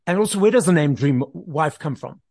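A man's voice: on the high side, lively intonation, a little fast, a little mellow, no echo. Man hosting, dry close sound. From South Africa. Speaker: podcast host and interviewer. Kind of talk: scripted introduction and friendly interview.

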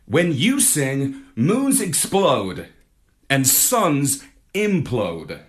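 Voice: mid-range voice, huge pitch swings, very slow, exaggerated voice. A storyteller voicing a cheerful, boastful male space adventurer in a children's story. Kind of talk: storybook read-aloud.

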